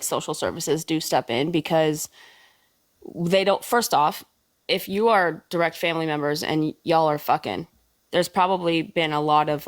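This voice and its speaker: A woman's voice: low-pitched, no room sound. A woman in casual chat, blunt and freely swearing as she trades opinions. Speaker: live stream co-host.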